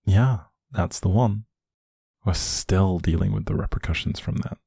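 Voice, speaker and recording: A man playing a doting, playfully teasing young boyfriend in an intimate one-sided roleplay, speaking affectionately with a soft, husky voice. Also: unhurried, no room sound, clean studio sound, exaggerated voice. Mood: attentive, gentle. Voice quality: low, soft, husky, creaky.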